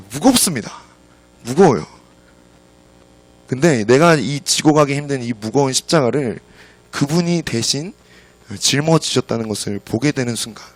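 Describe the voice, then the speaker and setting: A male preacher delivering a sermon, telling a story and often filling pauses with a soft "yes.". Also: mid-range voice, no echo. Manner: fills pauses with frequent "yes". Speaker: pastor.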